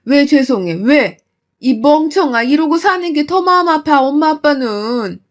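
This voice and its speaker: A woman voicing a protective middle-aged mother who scolds her daughter loudly. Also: on the high side, fairly even intonation, slow pace. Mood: indignant. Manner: scolding, loud.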